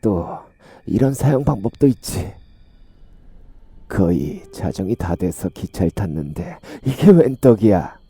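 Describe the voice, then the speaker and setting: A man's voice: low voice, dark tone, husky, full character voice. A man voicing a coarse, swaggering middle-aged detective with a sinister edge in a horror radio story. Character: crude, menacing middle-aged male detective.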